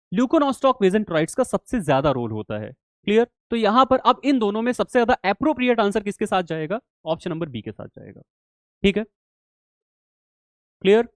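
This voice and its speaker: A man's voice: high-pitched, dry recording. A young man teaching a live online exam-prep class in a casual manner, often checking in with his students. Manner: casual, repeats "theek hai" and "clear", addresses students as bhai. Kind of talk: live online class, solving quiz questions.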